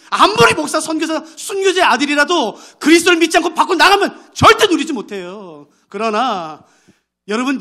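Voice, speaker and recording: A man's voice: very high voice, pushed and bright. A male pastor preaching a sermon, telling a story with great animation and acting out its characters' voices.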